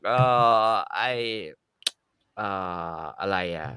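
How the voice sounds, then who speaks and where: A man's voice: extremely slow, pushed and bright, no echo. Blunt chatty guy, lots of um and uh, dry close sound. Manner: loose and profane, hunts for words with many fillers. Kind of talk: casual chat.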